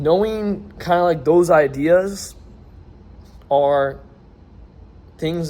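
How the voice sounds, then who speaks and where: Heard with audible room echo, a man speaks very slowly in a dark, mellow tone. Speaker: vlogger. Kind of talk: casual chat. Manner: halting.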